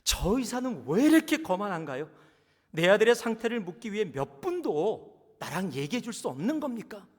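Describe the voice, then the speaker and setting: A man playing an enraged middle-aged father who shouts accusations at a doctor. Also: sits high, very animated, normal speed, voice pushed up. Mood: furious. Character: furious middle-aged father of a boy in surgery. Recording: long church hall reverb.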